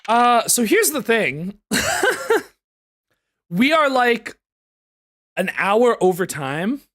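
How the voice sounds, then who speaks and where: Animated woman streamer losing her voice. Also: a little high, extremely slow. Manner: animated, laughing, talks back to the game. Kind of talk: live game playthrough with voiced reading.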